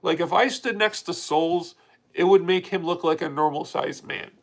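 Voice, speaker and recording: Gravelly-voiced man in his thirties. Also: on the high side, normal speed, rough recording. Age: 30s. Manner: rambling, candid, frequent restarts. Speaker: livestream host. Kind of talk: casual livestream chat reading comments.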